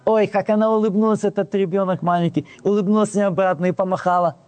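A man's voice: sits high, fast talker, dry recording. A man telling a casual personal anecdote, acting out the dialogue and often restarting and correcting himself. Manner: animated retelling that acts out quoted dialogue; frequent restarts and self-corrections. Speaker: storyteller.

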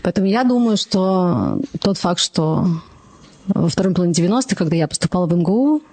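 A woman in her forties from Moscow, a journalist guest talking in a measured, thoughtful way with many pauses. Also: fairly low pitch, sing-song, mellow. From Russia. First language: Russian. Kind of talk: casual conversation.

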